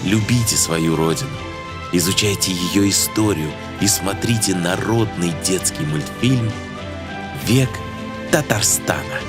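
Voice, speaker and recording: A man's voice: deep voice, a little slow. A man working as an announcer, reading scripted promotional narration. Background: music.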